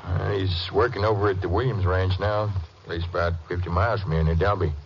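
An actor playing an agitated rural husband with a country American accent, halting and insistent, in a 1950s radio western. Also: male voice, low-pitched, steady tone, creaky, a crowd in the background. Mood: accusing, urgent. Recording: muffled, noisy 1950s radio recording.

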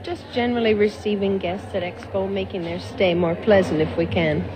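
A cheerful woman from Canada answers an interviewer readily, describing her work as a hostess. Clear crowd chatter surrounds her on this archival recording. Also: mid-range voice, fairly even intonation, moderate pace, poor audio. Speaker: exhibition hostess.

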